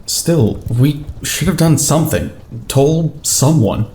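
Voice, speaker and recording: A man's voice: on the high side, slow pace, mellow, slightly rough, exaggerated voice. An actor playing an earnest, insistent grown man troubled by his youth, in an audio drama.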